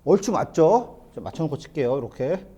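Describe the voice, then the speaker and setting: A middle-aged man giving a hands-on billiards lesson in a billiard hall, explaining step by step and asking the viewer quick questions as he plays. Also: fairly high pitch, very animated, mellow, breathy edge, highs cut off. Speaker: billiards instructor. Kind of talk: hands-on lesson, talking while playing.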